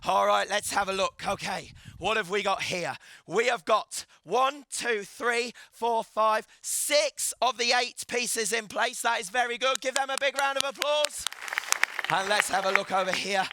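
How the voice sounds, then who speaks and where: A man presenting a live children's science show with an excitable, theatrical manner, urging the audience to cheer. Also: sits high, a little slow. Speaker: stage presenter. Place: live event hall with an audience. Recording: music playing behind.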